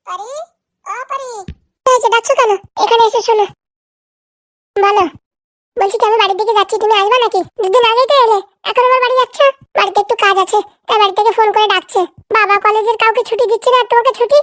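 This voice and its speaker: A squeaky young cartoon character, chatters in an extremely high, childlike voice. The delivery is quick and bickering, and the recording is dry and close. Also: female voice, steady tone, a bit bright, no room sound. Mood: pleading, sulky. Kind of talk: comedy cartoon dialogue.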